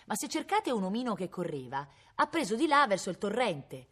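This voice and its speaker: A woman's voice: medium pitch, very animated, a little fast, fairly bright tone, breathy edge, pitched above the performer's own voice. A woman reading aloud voices a polite young nobleman who speaks in an affable, slightly patronizing way. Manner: affable, a little condescending.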